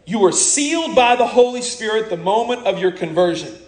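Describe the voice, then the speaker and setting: A man from America preaching a sermon, blunt and scornful, slowing hard on key words for emphasis. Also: high voice, lively intonation, roomy sound.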